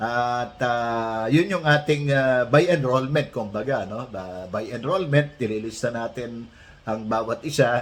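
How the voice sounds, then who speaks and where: A man's medium-pitched voice shows ordinary pitch variation and moves at a fairly slow pace. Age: 60s. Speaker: wellness movement founder. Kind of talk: video conference meeting. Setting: video call. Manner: halting, frequent filler sounds.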